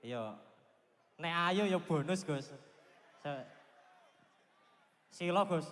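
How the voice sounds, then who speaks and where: A man's high-pitched voice in a strong Javanese accent, at a very slow pace with long, frequent pauses. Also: ordinary pitch variation. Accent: thick Javanese. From South Kalimantan, Indonesia. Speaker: audience member. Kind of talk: casual chat.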